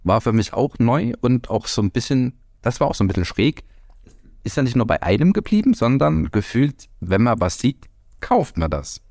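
A man's voice: medium pitch, very animated, moderate pace, a little mellow, no room sound, clean studio sound. A man from Franconia with a Hessian accent, co-hosting a casual podcast chat from a home party room, wry and talking in stops and starts. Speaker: podcast co-host.

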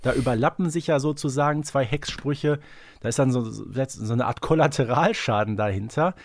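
A man's voice: mid-range voice, normal speed, creaky. A man co-hosting a podcast, thinking aloud and explaining in a casual, analytical discussion. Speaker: podcast co-host. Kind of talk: casual analytical discussion of an audio drama series.

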